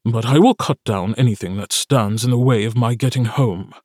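A man voicing a towering, stern male demon warrior with a deep, gruff, commanding voice. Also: moderate pace, darkish tone, no room sound, clean studio sound, close to an everyday voice. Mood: menacing.

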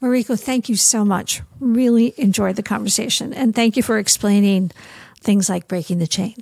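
A woman hosting an interview podcast, speaking in an attentive, measured way as she puts questions and addresses listeners. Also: medium pitch, gravelly, darkish tone, husky, no echo.

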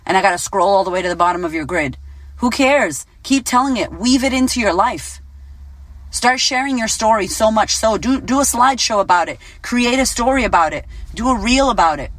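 A woman in her late thirties, a business coach giving a casual motivational talk, blunt and animated, swearing freely. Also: medium pitch, fairly quick, dry recording. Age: 30s. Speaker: business coach and podcast host.

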